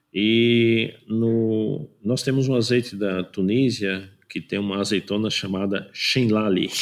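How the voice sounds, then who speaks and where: Using a fairly low pitch and fairly even intonation, a man speaks at a very slow pace with hardly any pauses. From Portugal, Alentejo. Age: 60s. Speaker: wine and olive oil importer. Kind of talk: interview.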